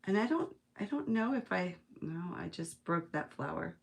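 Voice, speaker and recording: A woman's voice: fairly low pitch, expressive, normal speed, creaky. A woman from the United States hosting a live craft stream, chatting casually as she works, musing aloud and chuckling often. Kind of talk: casual craft-along chat, reading viewer comments.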